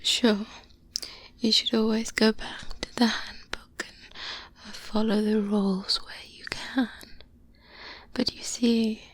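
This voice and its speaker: A woman whispers softly and breathily as a seasoned, careful vampire hunter mentoring a novice, her calm voice pitched on the high side. Her slow, hesitant delivery is full of murmured pauses and little hums, earnest and reassuring in tone. This ASMR roleplay is recorded close-up on a binaural mic, with clear background noise.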